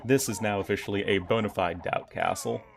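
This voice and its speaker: A man's voice: lowish voice, steady tone, a little fast, vocal fry, slight background noise. A young man casually commentating a strategy game on his live stream, chatting with his viewers. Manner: casual, chatty, reacts to chat. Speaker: game caster.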